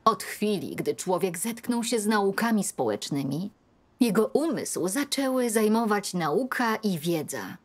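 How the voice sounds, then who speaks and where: A middle-aged woman in a dubbed film, reading a religious text aloud at a home table in a slow, earnest way. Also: mid-range voice, very animated. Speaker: older woman leading a scripture reading.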